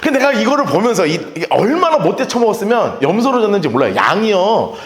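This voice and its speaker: A man preaches in a high-pitched, very animated voice that swings up and down as he tells stories with a laugh. He is a pastor giving a sermon. His voice rings out in a roomy church space. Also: fast. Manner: lively storytelling, often laughing. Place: church sanctuary.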